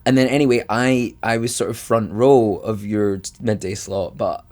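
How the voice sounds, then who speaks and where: A man's voice: on the low side, fairly even intonation, moderate pace, a little mellow. A Scottish man in his thirties co-hosting a podcast, telling stories in a playful, self-mocking way. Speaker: podcast co-host. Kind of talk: casual chat.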